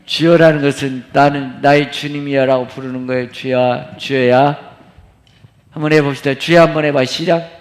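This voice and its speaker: A man leading a church family prayer meeting, coaxing and commanding the children to call out louder. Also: medium pitch, fairly even intonation, normal speed. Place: church sanctuary.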